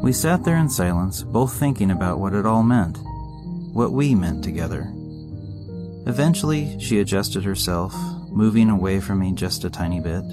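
A man's voice: sits low, lively intonation, moderate pace. A man narrating a horror story in a somber, reflective tone. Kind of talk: scripted narration. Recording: narration over music.

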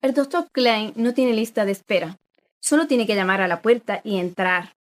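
A woman's voice: mid-range voice, normal speed, close to an everyday voice. A woman playing a helpful hospital receptionist who speaks in a confiding tone. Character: friendly female hospital receptionist.

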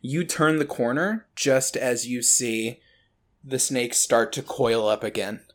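Slow-paced male game master. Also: mid-range voice. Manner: slow, deliberate scene-setting with drawn-out words. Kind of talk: narrating a tabletop horror game.

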